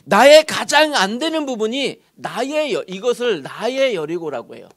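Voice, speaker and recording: A male pastor delivers a sermon in a church sanctuary. His voice sits high and moves all over the place with lively, sweeping inflection. He keeps turning questions to the congregation as he preaches. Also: normal speed. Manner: animated, asking the congregation questions.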